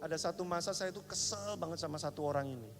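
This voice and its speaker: A male pastor, preaching a sermon in a casual, slangy way that swings from hushed and low to loud and emphatic. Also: fast talker, music in the background.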